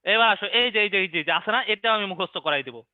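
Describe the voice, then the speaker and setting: A young man runs a biology lesson online, firing quick questions and repeating the answers as memory drills. The sound is dry and close, squeezed into a narrow phone-like band. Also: sits high, no echo. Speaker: biology teacher. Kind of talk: online class lecture.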